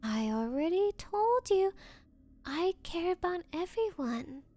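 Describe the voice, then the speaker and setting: A bratty young rich girl, acted by a woman speaks in a high voice at a slow, drawn-out pace. She is coy, haughty and defensive about her crush, in the style of an anime ASMR roleplay, recorded dry and close. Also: big pitch swings, warm tone, no room sound, full character voice. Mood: flustered, defensive. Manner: coy, haughty, hesitant valley-girl phrasing. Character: bratty spoiled rich girl, possessive, smitten but defensive.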